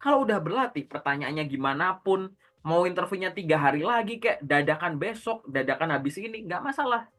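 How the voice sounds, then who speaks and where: A man's voice: sits high, expressive, a little fast, fairly bright tone, soft background music. A man working as a career coach, giving direct, instructive advice in casual one-on-one talk and answering his own rhetorical questions. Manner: asks rhetorical questions and answers them himself; direct, instructive, uses everyday slang.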